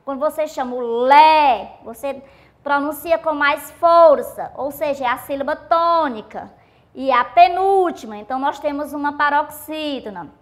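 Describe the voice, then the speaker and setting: A woman's voice: high-pitched, moderate pace. A woman teacher with a Brazilian Portuguese accent giving a recorded video lesson, explaining patiently and drawing out the stressed syllables of example words. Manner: patient, repetitive explaining to students.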